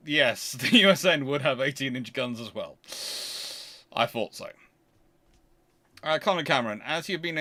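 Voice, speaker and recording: A British man hosting a casual question-and-answer livestream, talking in a rambling, halting way and often repeating and rephrasing himself. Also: mid-range voice, pushed and bright.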